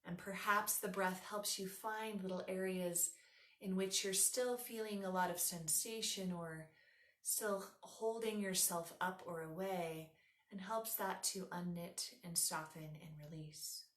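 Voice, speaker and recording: Low-voiced woman guiding meditation, roomy echo. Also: steady tone, a bit bright. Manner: soothing, instructive, unhurried guiding. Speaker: yoga nidra teacher. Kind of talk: guided meditation.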